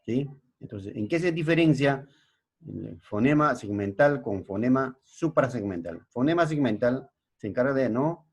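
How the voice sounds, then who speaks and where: A middle-aged male secondary school teacher with a Peruvian Spanish accent gives a slow classroom lesson. He keeps checking in with his pupils. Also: mid-range voice, animated, breathy edge. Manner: slow, explanatory, frequent checking tags.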